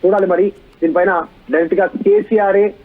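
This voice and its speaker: A husky-voiced man gives live news analysis at a quick pace. He stacks points in repeated lists and rhetorical questions, over dull lo-fi broadcast audio. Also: high voice, fairly even intonation.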